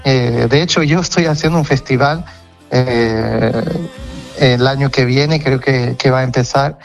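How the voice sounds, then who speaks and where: A man's voice: mid-range voice, measured pace, gravelly, faint music behind. A man from Portugal with a Portuguese accent, a singer speaking as an interview guest, reflective and searching for words with frequent restarts. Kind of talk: reflective conversational interview answers.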